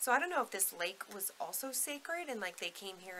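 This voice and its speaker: There is light background noise as a woman speaks with lively intonation. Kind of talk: casual vlog chat. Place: tunnel cave. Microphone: camera far.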